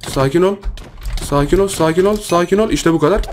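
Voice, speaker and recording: Excitable young man commentating a game. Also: sits high, slight background noise. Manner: lively, playful, repeats words rapidly, exclaims often. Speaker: gaming YouTuber. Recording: faint music behind.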